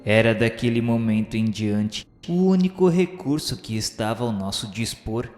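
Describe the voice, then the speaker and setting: A man's voice: medium pitch, moderate pace, lightly acted. Guy acting as earnest spirit narrator, brazilian accent, solemn radio drama, mid voice, big echo, music underneath. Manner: solemn, literary, carefully enunciated. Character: earnest male spirit recounting a journey through darkness. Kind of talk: scripted first-person dramatic narration. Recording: reverberant studio sound with music bed.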